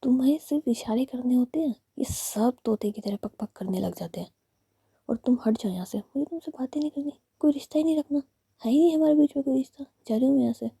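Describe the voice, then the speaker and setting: A woman's voice: fairly high pitch, expressive, moderate pace, vocal fry, hardly any pauses, breathy edge, no room sound, full character voice. A woman whispering as an angry jealous girlfriend. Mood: scolding. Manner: sharp, scolding, whispered.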